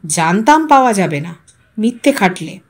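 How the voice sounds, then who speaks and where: A woman's voice: medium pitch, big pitch swings, normal speed, pitched below the performer's own voice. A woman storyteller voicing an offended male house guest in an audio story, grave, cutting and dismissive. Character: Niren, aggrieved, coldly sarcastic male house guest.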